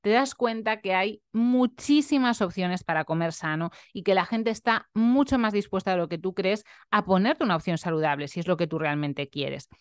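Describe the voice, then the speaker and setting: A woman's voice: mid-range voice, moderate pace, hardly any pauses, clean tone, no room sound. A young woman nutritionist talking earnestly and openly in a personal vlog, often adding tag questions. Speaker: nutritionist and vlogger. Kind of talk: reflective personal vlog talk.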